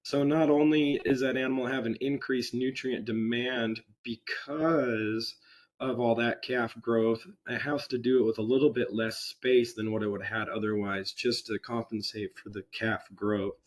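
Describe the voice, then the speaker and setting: A man with a voice still hoarse from a cold, giving a webinar presentation over a computer microphone in a relaxed, unpolished way with frequent ums and uhs. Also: mid-range voice, normal speed. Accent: American. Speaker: extension presenter. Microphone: computer microphone on a video call.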